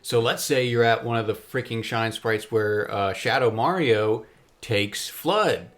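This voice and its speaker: A man with an average-pitched voice hosts a casual gaming podcast. He tells things in a loose, rambling way, wandering into asides as he goes. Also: unhurried, a bit bright. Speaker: podcast host.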